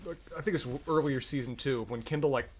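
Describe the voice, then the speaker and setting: A man co-hosting a casual show recap, speaking in a measured, wry way. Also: medium pitch. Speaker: podcast co-host.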